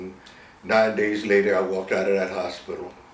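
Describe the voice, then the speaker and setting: A man with an American accent, with noticeable background noise and audible room echo. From Virginia, US South. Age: 80s+. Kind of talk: interview. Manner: halting.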